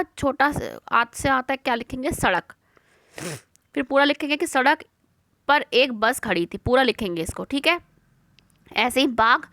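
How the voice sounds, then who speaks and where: A woman's voice: on the high side, pushed and bright, dry recording. A woman teaching young children, patiently going through a worksheet, asking questions and answering them herself. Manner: patient, repeats words and asks questions then answers them.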